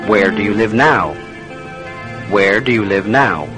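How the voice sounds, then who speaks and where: A man slowly reading English words and phrases aloud as model pronunciations for a radio language lesson, each one clearly enunciated. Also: lowish voice, expressive. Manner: deliberate textbook diction. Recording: studio voice with music bed.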